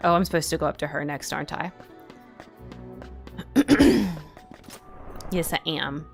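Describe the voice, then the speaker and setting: A woman with a Southern US accent giving casual, playful commentary as she plays a video game, reacting out loud and laughing easily. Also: low-pitched, animated, measured pace, creaky. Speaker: let's play streamer. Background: faint game music.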